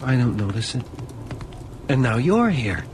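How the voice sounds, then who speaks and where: Animated, secretive young man, noisy recording. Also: medium pitch, measured pace. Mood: soothing, evasive. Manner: reassuring, insistent, clipped answers. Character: soothing, evasive, secretive young man in remote woods. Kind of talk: old-time radio drama acting. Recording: noisy old radio drama recording.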